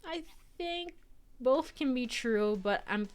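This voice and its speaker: A woman's voice: sits high, expressive, slow, smooth. A woman streaming a visual novel, reading it aloud with casual, giggly commentary full of "like" and "um". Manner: chatty, giggly, lots of "like" and "um". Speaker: streamer and let's-player.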